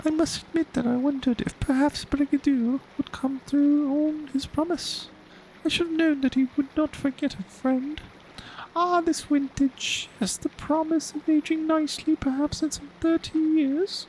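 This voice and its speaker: Over clear background noise, a put-on character voice at high pitch speaks at a moderate pace. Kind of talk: formal archaic fantasy speech. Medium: game stream. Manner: genteel, gracious.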